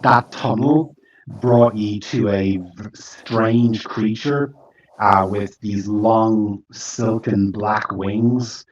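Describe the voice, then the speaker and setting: A man narrating a tabletop game as game master, speaking slowly with many pauses and restarts. His voice is fairly low and comes across a little distant on a dull, lo-fi recording. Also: fairly even intonation. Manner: halting, with many fillers and restarts.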